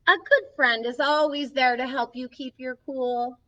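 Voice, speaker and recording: A woman's voice: high-pitched, fairly even intonation, unhurried, pushed and bright. A woman playing Snow White as a sweet, encouraging young princess, hosting a children's story time with sing-song, reassuring delivery, recorded from a distance with slightly dull sound. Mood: gentle, cheerful. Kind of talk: children's storytelling, reading a picture book aloud.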